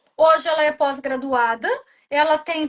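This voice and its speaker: Speaking at a fairly slow pace, a woman uses a high-pitched voice with a bright, sharp tone. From southern Brazil (Rio Grande do Sul). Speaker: emotional coach and meditation leader. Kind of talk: live stream talk. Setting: live stream. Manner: animated.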